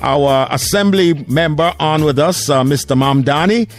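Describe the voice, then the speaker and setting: A man's voice: fairly high pitch, moderate pace, no echo. A man hosting a casual radio interview, laid-back and dotted with "uh" fillers. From Jamaica. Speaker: radio host. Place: radio studio.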